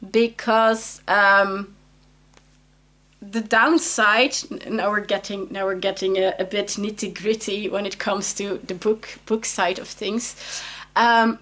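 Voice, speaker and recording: A woman's voice: mid-range voice, fairly bright tone. A Dutch-speaking woman from Belgium, an author vlogging in English in a chatty, rambling way with many fillers and restarts. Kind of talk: casual vlog chat.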